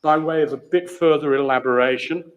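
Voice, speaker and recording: Booming-voiced man giving a stage talk. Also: fairly quick, narrow, tinny audio. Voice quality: big booming voice. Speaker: conservation program leader. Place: large theatre on stage. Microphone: stage microphone.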